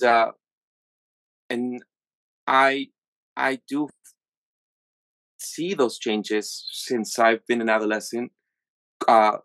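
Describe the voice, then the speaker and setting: A man in his thirties from the USA talks through his thoughts in casual conversation, often stalling on fillers and restarting his sentences. His voice sits a little low. The recording is dry, with no room sound. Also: a bit bright, no echo, rough recording. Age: 30s. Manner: hesitant, many fillers and restarts.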